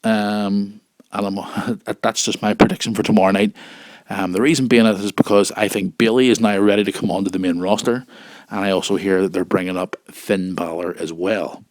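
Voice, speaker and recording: A man speaks in a lowish, husky voice roughened by a cold. He hosts in a casual, informal way, talking straight to his listeners as he goes through news and mail. The sound is dry and close, with little room to it. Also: steady tone, moderate pace, no room sound. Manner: informal, addresses listeners directly. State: has a cold. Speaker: wrestling show host.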